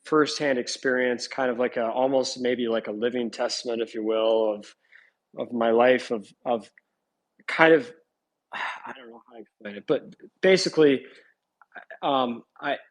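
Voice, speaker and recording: A man of middling pitch talks haltingly over an online call, circling back and restarting his sentences. His covered microphone makes the audio choppy, so his voice keeps cutting out. It also sounds distant and muffled. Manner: halting and rambling, with many restarts. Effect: choppy, cutting-out mic audio that sounds distant. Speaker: guest on an online talk show. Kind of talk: casual chat over a call. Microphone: covered computer mic on a call.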